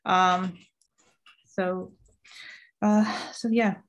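A woman in her thirties with a Ukrainian accent, speaking at a slow, unhurried pace with a mid-range voice. She answers interview questions hesitantly and fills the gaps with many fillers. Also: mid-range voice, fairly even intonation, lo-fi sound. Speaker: interview guest.

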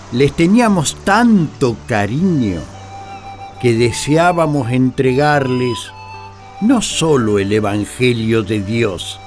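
An actor with an Argentine accent playing Paul the apostle, a weary, tender carpet weaver, in a radio drama. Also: male voice, mid-range voice.

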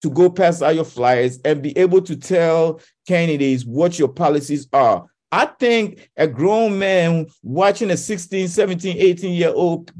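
Brief: male radio talk host, fired up, stumbles and restarts, voice a touch high, studio mic. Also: unhurried, few pauses, darkish tone. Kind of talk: radio talk show commentary.

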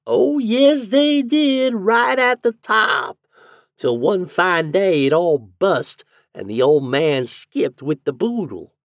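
A man's voice: very animated, dry recording, studio quality, exaggerated voice. Man putting on a drawling old landlady. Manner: slow drawl, high and loud. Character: drawling sly old landlady, cool and unbothered.

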